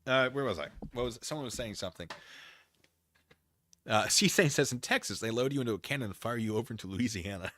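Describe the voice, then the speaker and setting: An American man hosting a casual livestream, rambling through commentary and chat comments in an animated, digressive way and often losing his thread. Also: medium pitch, fast, no room sound. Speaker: livestream host.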